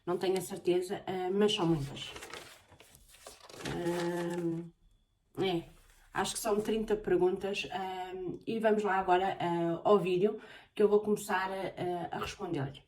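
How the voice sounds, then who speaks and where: A woman from Portugal with a European Portuguese accent, chatting casually in a question-and-answer vlog, often pausing on filler sounds. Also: on the low side, fairly even intonation, darkish tone. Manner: hesitant, many filler sounds. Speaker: vlogger. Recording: voice a bit far from the mic.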